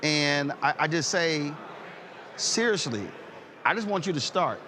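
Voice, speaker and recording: A man in his fifties hosting an interview, telling stories in an animated way and repeating "I said" as he acts out conversations. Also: fairly high pitch, measured pace, background noise. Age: 50s. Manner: animated storyteller, repeats "I said" while acting out exchanges. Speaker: host. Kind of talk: casual interview chat.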